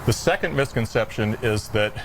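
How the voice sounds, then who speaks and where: A man's voice: lowish voice, animated, normal speed, gravelly, a little hiss or hum, low-quality recording. A man speaking as a sports instructor, explaining things informally in a live TV interview. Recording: music playing behind the voice. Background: background music.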